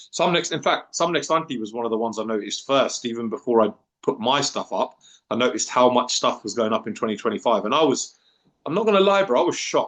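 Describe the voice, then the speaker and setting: A man at a very fast pace, with lively intonation. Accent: London. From North London, England. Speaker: rapper. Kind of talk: casual chat.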